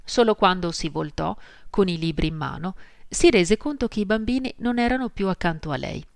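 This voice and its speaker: Low-voiced woman narrating an audiobook. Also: fairly quick, vocal fry, no room sound, studio quality. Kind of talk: scripted narration.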